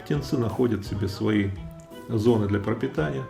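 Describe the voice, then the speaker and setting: A man giving a calm, explanatory nature commentary. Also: fairly low pitch, moderate pace, creaky. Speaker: narrator of a nature video. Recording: roomy echo, faint music behind.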